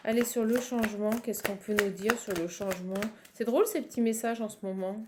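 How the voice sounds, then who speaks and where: Over a noisy background, a woman with a mid-range voice and a Parisian French accent talks briskly through an improvised card reading. As a tarot reader hosting her channel, she's casual, chatty and full of exclamations, repeating herself and abandoning thoughts halfway.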